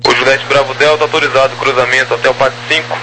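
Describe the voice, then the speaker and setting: A Brazilian man works as a ground controller, speaking in procedural radio phrases at a middle pitch. The crackly transmission has clear hum and static. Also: level tone, fast talker. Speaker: ground air traffic controller. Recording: humming, noisy aviation radio.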